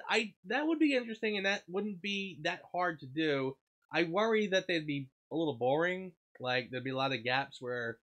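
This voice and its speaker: A man's voice: medium pitch, a bit bright. Stuffed-up man chatting on a livestream. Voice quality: frequent throat clearing. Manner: rambling, reads and answers viewer chat. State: stuffed up, sniffling. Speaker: livestream host. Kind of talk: casual livestream chat.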